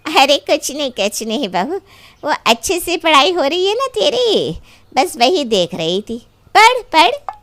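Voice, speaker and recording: A woman playing a bossy, nosy middle-aged mother-in-law in a story, with emphatic drawn-out delivery. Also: high-pitched, sing-song, fairly bright tone, full character voice. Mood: feigned reassurance.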